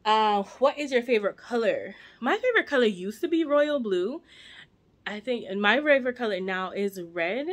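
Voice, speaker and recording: A woman's voice: on the high side, animated, normal speed. A woman in her forties, born in Jamaica and raised in the United States, chatting at home to the camera in a rambling, playful way with asides to her viewers. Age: 40s. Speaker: vlogger. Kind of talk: casual chat to camera. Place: living room at home. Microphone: camera at arm's length.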